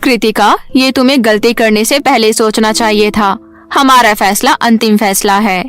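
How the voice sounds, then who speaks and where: A stern serpent queen of animated fairy tale, acted out by a woman. Her voice is high, and she speaks in formal, commanding pronouncements. Faint music plays underneath. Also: normal speed, clean tone, close to an everyday voice. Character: stern imperious serpent queen passing harsh judgement.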